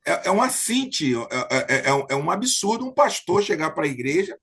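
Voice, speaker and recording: A man's voice: on the high side, big pitch swings, moderate pace, vocal fry, a bit bright, slightly rough. A man leading a Bible study speaks emphatically and indignantly about hypocrisy, then invites questions.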